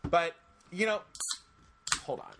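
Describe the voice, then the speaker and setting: A man in his forties hosting a podcast, telling stories in a chatty, animated way with lots of restarts. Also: high-pitched, slow, noisy background. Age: 40s. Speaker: podcast host. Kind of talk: casual podcast chat.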